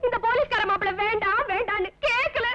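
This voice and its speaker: An actress playing a sharp-tongued wife who scolds her policeman husband, on a dull old film soundtrack. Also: brisk. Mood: scolding. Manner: shrill, scolding. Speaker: quarrelling wife. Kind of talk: Tamil film comedy acting.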